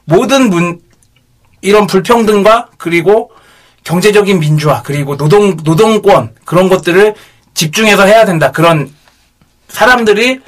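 A man's voice: sits high, moderate pace. A man on a talk show explaining politics in casual chat, with an irreverent, teasing manner.

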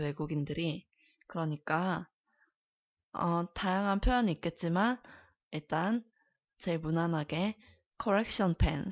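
A woman thinking aloud slowly while she practices simple English questions in a casual lesson chat. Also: lowish voice, darkish tone, muffled recording. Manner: slow, thinking aloud, laughs often.

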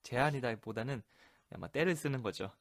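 A man teaching English expressions in a relaxed explanatory lesson, repeating phrases slowly for practice. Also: mid-range voice, very noisy. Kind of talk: Korean-language English lesson explaining sitcom lines.

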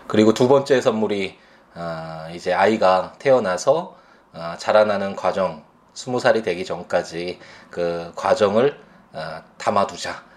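A man with a very deep voice talks about raising his son. He speaks slowly and hesitantly, filling pauses with soft sounds as he gathers his thoughts. His tone is reflective and personal. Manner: slow, hesitant, many fillers. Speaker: father.

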